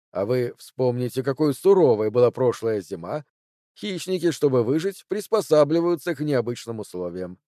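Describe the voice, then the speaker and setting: A man voicing a sharp, confident detective in an audiobook, speaking precisely and a little louder than his narration. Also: mid-range voice, dry recording, clean studio sound, natural voice. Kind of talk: audiobook character voice.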